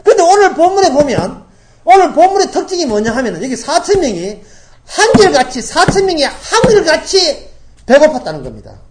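Emphatic, lively-voiced woman preaching a sermon. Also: high voice, fairly quick, background noise. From grew up in Daegu, South Korea. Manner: emphatic, repeats key phrases, swings from loud to hushed. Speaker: pastor.

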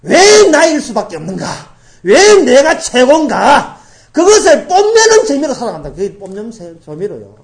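A middle-aged woman from Daegu preaching a sermon as pastor, repeating key phrases and swinging from loud emphasis to hushed asides. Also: high-pitched, huge pitch swings, moderate pace. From grew up in Daegu, South Korea.

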